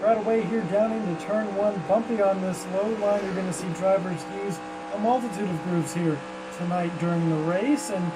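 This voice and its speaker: A man's voice: high-pitched, steady tone, moderate pace. A man giving guided lap commentary as a broadcast track guide. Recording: clear noise of a vehicle behind.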